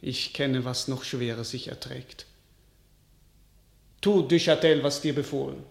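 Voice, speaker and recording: Slow, solemn, despondent king. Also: medium pitch, vocal fry, echoey room. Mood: resigned command. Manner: solemn, declamatory, measured. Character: despondent, world-weary king giving up his crown. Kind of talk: classical verse radio drama acting.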